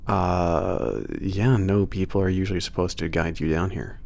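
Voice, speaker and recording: A man playing a teasing werewolf trainer with a bit of an attitude in an ASMR roleplay, gravelly, casual and hesitant in his banter. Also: sits low, steady tone, moderate pace, darkish tone. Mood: puzzled, concerned. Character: teasing, gruff-edged male werewolf trainer at a spaceport. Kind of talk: ASMR roleplay, naturalistic one-sided conversation.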